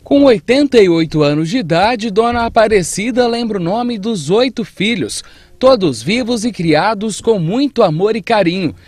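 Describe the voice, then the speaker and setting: High-voiced Brazilian male reporter, dry sound. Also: expressive, normal speed, a little mellow, no echo. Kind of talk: scripted news feature narration.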